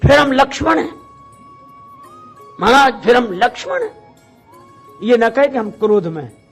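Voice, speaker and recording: In an unhurried, sing-song delivery, a man with a high, slightly bright voice and a breathy edge preaches a Hindu devotional discourse retelling Ramayana episodes. Like a storyteller, he asks rhetorical questions, dramatizes dialogue and recites scripture while music plays faintly behind him.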